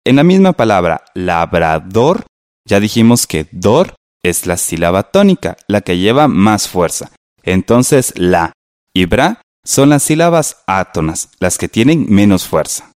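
Patient male radio teacher, lively pitch. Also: dry recording, clean studio sound. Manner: slow, patient, spells out syllables. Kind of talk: scripted radio lesson.

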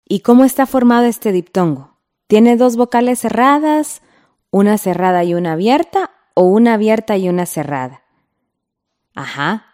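A woman with a mellow, warm voice leads a scripted radio class. She speaks patiently and stretches out each example word so the learners can follow. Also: mid-range voice, animated. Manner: slow, patient, drawing out example words.

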